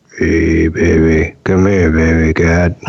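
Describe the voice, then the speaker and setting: In a put-on character voice, a man talks at a fairly slow pace with a very deep, low pitch and monotone, flat intonation. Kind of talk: rural, casual. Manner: affectionate, coaxing.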